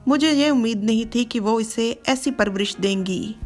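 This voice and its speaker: A woman voicing a weary king who speaks in a measured, sighing way. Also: a little high, soft background music, natural voice. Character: weary grown king, elder brother.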